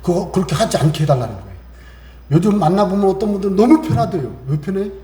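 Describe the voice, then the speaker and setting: A man's voice: high-pitched, lively intonation, quick pace, mellow. A man preaching a Sunday sermon in a chatty way, quoting scripture and acting out small exchanges. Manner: conversational preaching, acts out little exchanges and quotes scripture. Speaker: pastor. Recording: echoey church room, faint hiss.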